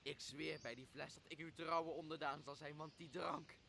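Creaky, cringing island monster. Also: male voice, on the high side, steady tone, normal speed, bright, forceful tone, slight background noise. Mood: awestruck, servile. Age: young adult. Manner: pleading, whimpering. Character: cringing, tormented island monster, servile and awestruck. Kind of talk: Shakespeare radio play.

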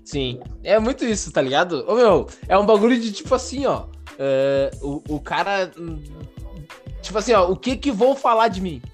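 A man's voice: high voice, big pitch swings, moderate pace, soft background music. A man from Rio do Sul, chatting casually as a podcast co-host in a slangy, rambling way with many fillers. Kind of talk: casual chat.

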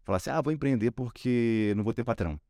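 This Rio de Janeiro sales executive speaks Carioca Brazilian Portuguese, recounting his career chattily as a podcast guest and often adding tag questions. He talks fast in a dark, mid-range voice, with clean studio sound and no room tone, in a casual interview.

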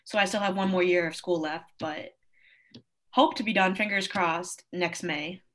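A woman's voice: lowish voice, fairly even intonation, moderate pace, a bit bright. A woman of twenty-one, a college student, talking as an interview guest in an earnest, upbeat way. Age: 20s. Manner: earnest, upbeat, with frequent fillers. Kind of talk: casual interview conversation.

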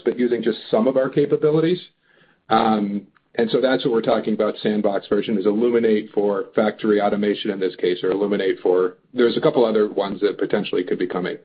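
A man answering as a company executive on an earnings call, halting but upbeat and emphatic. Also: medium pitch. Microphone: phone or conference call line. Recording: muffled narrow phone line.

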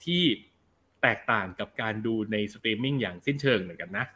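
A young adult man hosts a laid-back film review chat, his voice bright and forceful. He talks in a loose, slangy way and reads out viewer questions before answering them. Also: fairly low pitch, fairly quick. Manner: relaxed, chatty, slangy, reads out viewer comments. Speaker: film review show host.

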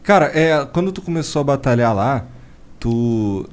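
A man with a Rio de Janeiro accent hosting a podcast, laid-back and slangy, firing off quick questions. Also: mid-range voice, animated, clear, resonant tone. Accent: Carioca Brazilian Portuguese. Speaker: podcast host. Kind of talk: casual interview chat.

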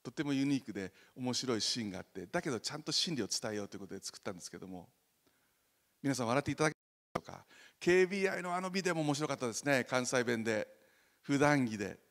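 A man preaching a sermon as pastor, animated and joking, loudly acting out the voices he quotes. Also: medium pitch, very fast, big-room sound. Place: church sanctuary.

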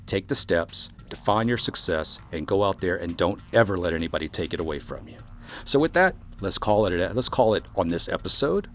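A man's voice: deep voice, lively intonation, fairly quick, a little hiss or hum. A man hosting his own solo podcast, talking earnestly and encouragingly about defining success as an artist. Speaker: podcast host and composer. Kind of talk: solo motivational podcast monologue.

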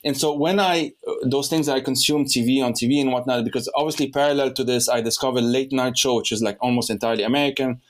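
Young male podcast host from Lebanon, casual and meandering, mid pitch. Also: steady tone, fast, few pauses. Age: young adult. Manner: rambling, many restarts and fillers. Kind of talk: casual conversation.

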